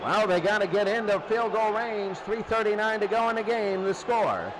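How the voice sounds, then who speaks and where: A play-by-play announcer with a high, lively voice calls American football live on the radio at a moderate pace. His short running calls repeat downs and scores over loud noise from a sports crowd.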